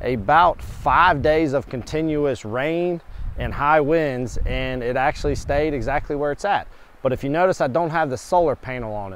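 A man speaks at a moderate pace over light background noise. The sound is dry, with no echo. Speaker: homesteader reviewing a camera. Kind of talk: casual product review vlog. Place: open country. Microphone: phone near.

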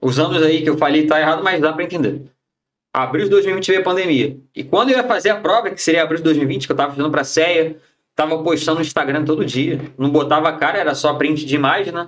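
A man's fairly high voice races along at a very fast pace, its pitch varying in an ordinary way. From Brazil. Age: 20s. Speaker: bank employee; podcast guest. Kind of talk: casual chat. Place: studio. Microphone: studio mic.

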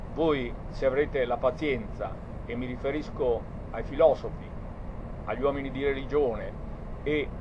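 A man speaks at a fairly slow pace with fairly even intonation amid noticeable background noise. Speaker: philosopher of science. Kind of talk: lecture introduction to camera. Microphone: webcam.

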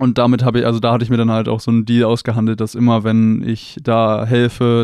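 Speaking very fast in a flat monotone, the man keeps to a medium pitch. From northern Germany, village near Hamburg. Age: 20s. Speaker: stand-up comedian. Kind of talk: casual chat. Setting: in-person recording at host's home.

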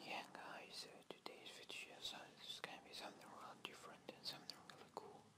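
A man whispers in a relaxed tone. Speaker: ASMR youtuber. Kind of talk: ASMR whispered rambling talk to camera. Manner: soft-spoken, whispering, relaxed, rambling. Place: home room. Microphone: headset.

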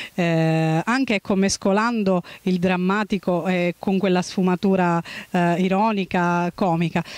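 A woman at a medium pitch talks at a fairly slow pace with fairly even intonation and very even loudness, the sound dry with no echo. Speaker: interviewer. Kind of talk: interview question. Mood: warm, polite. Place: garden. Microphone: handheld.

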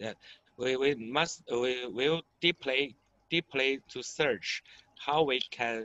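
A man at a medium pitch with a Chinese accent, at a very slow pace. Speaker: open source project presenter. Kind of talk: slide presentation in a video meeting. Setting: video call. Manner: halting.

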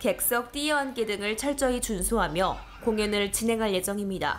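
With music in the background, a woman at a fairly high pitch speaks at a moderate pace with lively intonation. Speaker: TV news reporter. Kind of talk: TV news reporter voice-over.

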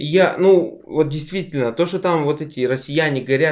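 Against a quiet background, a man with a normal speaking voice talks at a moderate pace, his fairly high pitch showing ordinary variation. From Chernivtsi region, western Ukraine (Carpathian); Ukraine. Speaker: prank video blogger. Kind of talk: prank video chat. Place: home room. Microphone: video call.

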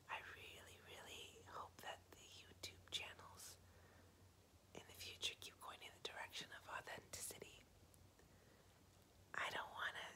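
This woman speaks in a whisper. She keeps a moderate pace. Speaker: vlogger. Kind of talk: casual vlog chat. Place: home room. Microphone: phone near.

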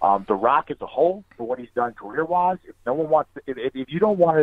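In a New York accent, a man speaks at a moderate pace. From Brooklyn, New York. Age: 20s. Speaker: professional wrestler. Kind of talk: casual interview.

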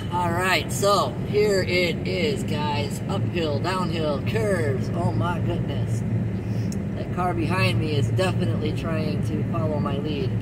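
A man talking at a fairly slow pace over loud background noise. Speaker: driver vlogger. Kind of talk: casual vlog chat. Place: car. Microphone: phone near.

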